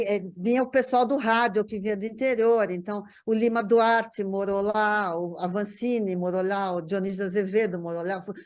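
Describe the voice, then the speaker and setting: An older woman with a São Paulo Brazilian accent, reminiscing casually in conversation and often repeating words as she searches for the next. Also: mid-range voice. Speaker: guest recalling a parent's career.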